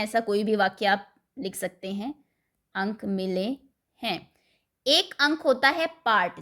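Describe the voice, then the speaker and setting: A woman teacher slowly explaining a worksheet to young pupils, dictating answers word by word. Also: a little high, a bit bright. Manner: slow, patient, dictates words one at a time. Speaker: school teacher.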